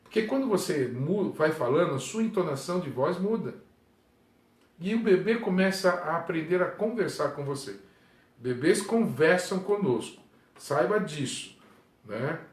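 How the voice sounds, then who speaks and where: A Brazilian man, a pastor, talking casually on a livestream from home, with frequent tag questions and sudden jumps up in pitch for emphasis. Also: expressive, measured pace, reverberant. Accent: Brazilian Portuguese. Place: room at home.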